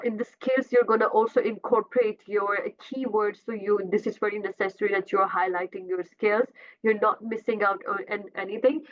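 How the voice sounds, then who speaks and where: A woman whose first language is Urdu gives a career coaching talk over a video call, often pausing with fillers and correcting herself mid-sentence. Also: medium pitch. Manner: repeats and self-corrects, frequent uh fillers. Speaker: career coach presenting a webinar. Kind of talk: informal presentation with slides. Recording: tinny phone-like video call audio.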